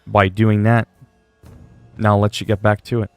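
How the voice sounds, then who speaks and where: A man in his forties talks casually through a livestream with a lowish voice, rambling from one thought to the next. He reads viewers' messages aloud and answers them as they come in, with faint music playing behind him. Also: level tone, normal speed, clean tone, no room sound. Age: 40s.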